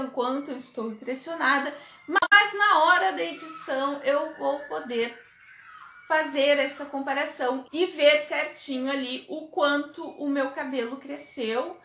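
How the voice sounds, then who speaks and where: A chatty woman talks to her camera in a small, echoey room, her voice sitting high and bright. She reviews a beauty product in a casual, animated way and gestures as she speaks. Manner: chatty and animated, gestures a lot while talking. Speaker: beauty vlogger. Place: small indoor room with makeup table. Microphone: camera at desk distance.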